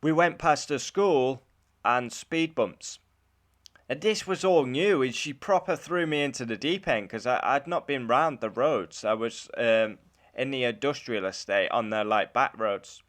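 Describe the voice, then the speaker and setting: A man's voice: mid-range voice, measured pace, a bit bright. A British man giving an informal, matter-of-fact account in a casual vlog style. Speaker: vlogger, learner driver.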